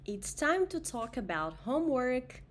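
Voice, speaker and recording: A woman with a Brazilian accent, a native Portuguese speaker, teaching pronunciation with deliberately enunciated nasal vowel drills for learners to repeat. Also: high voice, sing-song, a little hiss or hum. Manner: slow, deliberate enunciation of example words and nasal sounds. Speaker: language teacher.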